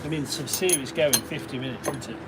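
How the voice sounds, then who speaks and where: A man's voice: mid-range voice, fairly quick, very noisy. Chatty Derbyshire man live from a workshop. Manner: chatty, thanks viewers and reads out their names. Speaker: livestreaming stone carver. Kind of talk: casual livestream chat.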